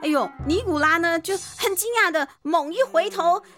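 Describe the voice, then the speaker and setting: Taiwanese mandarin lady doing kids bedtime stories, super animated, chatty explainer, music underneath. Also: very high voice, moderate pace. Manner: expressive, chatty explaining with sentence-end particles. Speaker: podcast host and storyteller, a mother. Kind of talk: animated children's bedtime story narration with chatty asides.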